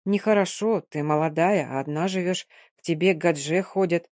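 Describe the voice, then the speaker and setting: A woman reading a novel aloud, voicing an old Gypsy grandmother who speaks softly and carefully. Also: deep voice, moderate pace, husky, dry recording, studio quality. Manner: soft, careful.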